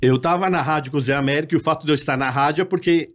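Lively high-voiced comedian. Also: male voice, racing. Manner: lively, slips into impressions. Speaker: guest comedian. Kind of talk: animated storytelling in casual chat.

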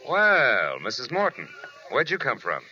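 A man's voice: medium pitch, wildly swooping pitch, a little slow. A man playing a wry, hard-boiled American private detective in a 1940s radio drama, with clipped tough-guy delivery. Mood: dry. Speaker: lead actor and first-person narrator. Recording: muffled old radio recording, faint hiss.

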